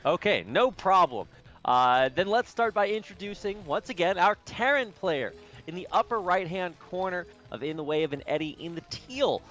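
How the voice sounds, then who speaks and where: A man casting a strategy video game, chatting and rambling between plays and rising with excitement when the action heats up. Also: sits high, normal speed, soft background music. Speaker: esports caster. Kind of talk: play-by-play commentary.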